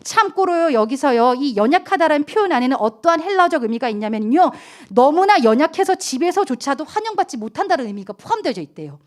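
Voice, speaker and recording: A middle-aged woman pastor preaches to a youth group in an animated storytelling manner. Her voice sits high and swings widely in pitch as she tosses questions to the listeners. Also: quick pace, few pauses. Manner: animated storytelling, acting out scolding quotes, frequent questions to the audience. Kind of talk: lively sermon to teenagers.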